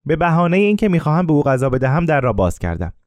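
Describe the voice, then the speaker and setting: A man narrating a first-person story in a calm, measured way, with scripted narration. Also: fairly high pitch, no echo, studio quality.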